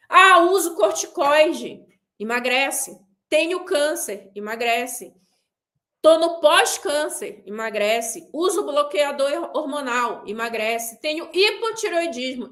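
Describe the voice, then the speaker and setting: A woman's voice: high voice, a bit bright. A woman coaching viewers in an online class, talking straight to them and hammering her points with repeated, clipped replies. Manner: emphatic, repeats a punchline in a clipped drop. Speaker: weight-loss coach hosting a pre-event class. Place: seated indoors.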